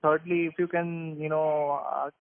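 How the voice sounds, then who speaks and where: A man, an analyst asking questions haltingly on a conference call. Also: a little high, little pitch movement, no room sound. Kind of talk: hesitant spoken questions on earnings call. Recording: dry, tinny phone line.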